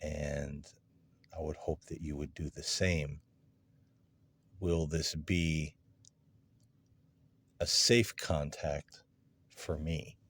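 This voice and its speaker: A man with an extremely deep voice speaks at a slow, deliberate pace. He sounds like a paranormal investigator putting questions to an unseen presence, leaving space between his phrases. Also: flat delivery, slight background noise. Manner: deliberate, measured, with long pauses between phrases. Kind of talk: addressing spirits aloud in a recorded session, questioning.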